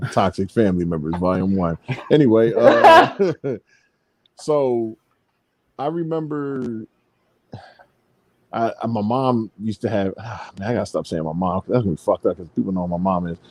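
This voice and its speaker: A man's voice: lowish voice, normal speed. A man hosting a podcast, telling a story in casual, profane chat with frequent laughs over a video call stream. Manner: profane, animated, laughs often. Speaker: podcast host.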